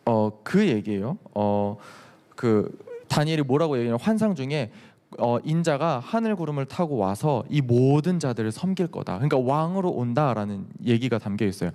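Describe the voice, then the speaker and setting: A man preaching a sermon as youth pastor, telling the story in an animated way and acting out the quotes. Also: mid-range voice. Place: church sanctuary. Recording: reverberant church hall.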